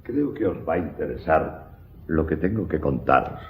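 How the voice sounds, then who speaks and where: A man's voice: a bass voice, big pitch swings, normal speed, breathy edge, exaggerated voice. A man playing an eager, deferential innkeeper in a radio drama, with a polite, servile and gossipy manner. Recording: dull recording.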